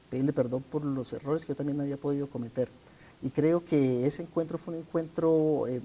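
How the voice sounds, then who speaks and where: A middle-aged man from Colombia with a Colombian accent, answering interview questions in a measured, earnest way. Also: medium pitch, mellow, dull audio, a little hiss or hum. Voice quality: measured, earnest, formal address. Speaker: interview guest, author. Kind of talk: sit-down TV interview.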